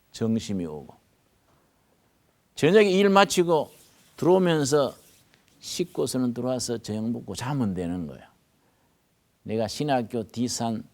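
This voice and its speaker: Older male pastor, Gyeongsang Korean accent, mid-pitched, folksy storytelling sermon, hushed asides and loud bursts. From North Gyeongsang, Korea.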